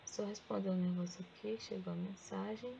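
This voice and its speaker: A woman with a Brazilian Portuguese accent teaching crochet step by step. She speaks softly with a sore throat and counts stitches aloud. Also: medium pitch, steady tone, a little fast, gravelly, lo-fi sound, slight background noise. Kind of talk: step-by-step craft tutorial.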